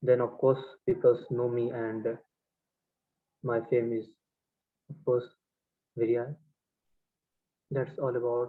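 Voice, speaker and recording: Someone speaks slowly in a Bihari accent with monotone, flat intonation. Long pauses come often. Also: man, medium pitch for a man. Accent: Indian English, Bihari. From India, Bihar. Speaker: engineering student. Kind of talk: impromptu speech. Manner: halting.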